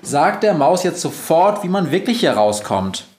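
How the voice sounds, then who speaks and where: A man's voice: on the high side, animated, slow, roomy sound, pitched above the performer's own voice. A man voicing a kind, curious witch who speaks eagerly.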